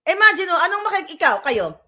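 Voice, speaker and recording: A woman's voice: very high-pitched, big pitch swings, fast, pushed and bright. A woman, vlogging from home in a combative, scornful political rant that mixes in English.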